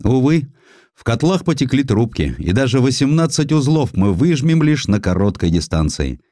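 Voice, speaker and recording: A weary German chief engineer played by a male narrator, dutiful and regretful. He speaks with a sighing manner and a lot of movement in pitch, in historical audiobook style. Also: big pitch swings, normal speed, dark tone, dry recording, studio quality, close to an everyday voice.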